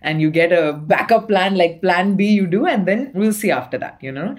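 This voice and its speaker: A woman's voice: lowish voice, animated, moderate pace, a little mellow. A young woman from Dubai, a singer-songwriter guest, chatting casually in an interview with lots of fillers and laughter.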